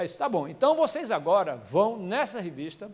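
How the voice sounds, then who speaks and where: Animated delivery at a moderate pace, with very wide pitch swings and a northeastern Brazilian accent. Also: man. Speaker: education speaker, former university rector. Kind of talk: lecture. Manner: animated storytelling.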